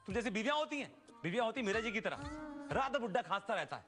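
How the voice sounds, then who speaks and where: An actor playing an excitable, suspicious office worker who dramatically accuses his colleague, in a TV sitcom. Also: high voice, rapid-fire. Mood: bickering. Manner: theatrical, indignant, repeats himself. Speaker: sitcom character. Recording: TV sitcom audio with background music.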